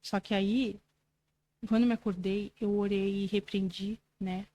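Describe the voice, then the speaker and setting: A Brazilian woman tells her faith testimony as a podcast guest, her voice warm and mellow with a middle pitch. She speaks earnestly and conversationally, often tagging her phrases and acting out the dialogue she recounts. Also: fairly even intonation, measured pace, rough recording. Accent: Brazilian Portuguese. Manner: earnest storytelling, frequent "né" tags, acts out quoted dialogue. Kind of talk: religious testimony in casual conversation.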